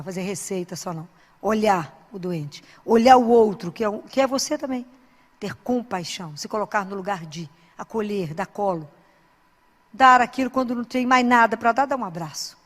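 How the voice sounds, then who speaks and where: A woman's voice: medium pitch, long reverb tail. A woman who is a Christian speaker and doctor, giving an informal sermon full of anecdotes in an earnest, exhorting, conversational way.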